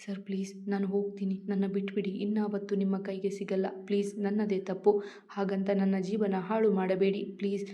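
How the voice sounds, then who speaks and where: A woman reading out a gentle young woman who begs tearfully and pushes back, in a storybook reading. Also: medium pitch, completely flat delivery, moderate pace, highs cut off, natural voice. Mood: pleading. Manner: pleading, tearful. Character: gentle young woman, pleading yet defiant.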